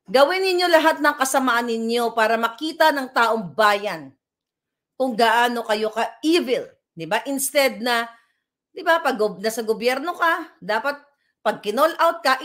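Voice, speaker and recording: A woman's voice: high-pitched, pushed and bright. A woman, vlogging from home in a combative, scornful political rant that mixes in English.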